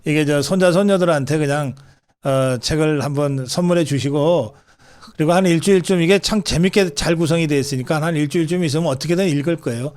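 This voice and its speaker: Male interview host, slightly high voice. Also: a little fast, a little mellow. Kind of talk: conversational interview hosting.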